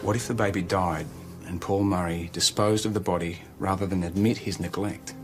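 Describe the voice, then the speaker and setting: An actor playing a sarcastic, defensive young police constable in a TV drama. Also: male voice, low voice, steady tone, moderate pace, soft background music, natural voice. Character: sarcastic young male constable under suspicion.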